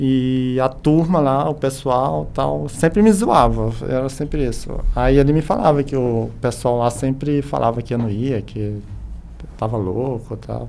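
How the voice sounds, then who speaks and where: Noticeable background noise sits under the recording. The man's delivery is fairly slow. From Brazil, Parauapebas (Pará). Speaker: film and TV extra. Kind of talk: casual interview chat.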